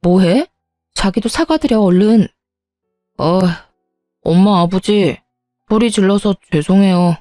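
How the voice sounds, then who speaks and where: A woman's voice: medium pitch, takes it slowly, long pauses, no room sound, clean studio sound, soft background music, close to an everyday voice. A woman voicing a hot-tempered young husband arguing with his parents in a narrated story. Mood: sheepish. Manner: pleading then loud, insistent.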